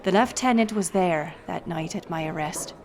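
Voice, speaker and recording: A woman's voice: lowish voice, normal speed, a little mellow, close to an everyday voice. A woman playing a wry, roguish pirate smuggler captain, telling her tale theatrically in an audio roleplay. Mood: bitter, brooding. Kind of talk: in-character audio roleplay storytelling.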